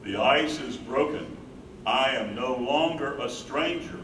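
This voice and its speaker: A man's voice: mid-range voice, a little slow, fairly bright tone, natural voice. A man in a staged reading, playing a tender, devoted elderly husband of a wife with Alzheimer's. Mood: reflective. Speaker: stage reader. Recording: echoey room, far from mic, background noise.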